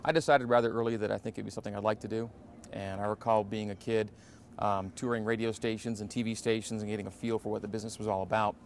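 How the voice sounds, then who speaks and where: A man in his forties, a radio announcer, answering interview questions in a relaxed, reflective way with many fillers, in an empty indoor arena. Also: on the low side, quick pace, slight background noise. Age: 40s.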